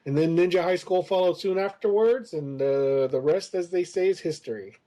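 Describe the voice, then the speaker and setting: Mellow-voiced man rambling through anecdotes. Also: high voice, moderate pace. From United States. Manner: rambling, many hesitant fillers. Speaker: interview guest, comics creator. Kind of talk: casual storytelling interview.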